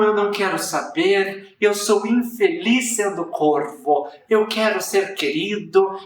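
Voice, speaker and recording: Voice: mid-range voice, natural voice. A Brazilian Portuguese speaker voicing a sad, self-pitying crow who longs to be beautiful, in a whiny, lamenting way. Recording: roomy echo, distant mic.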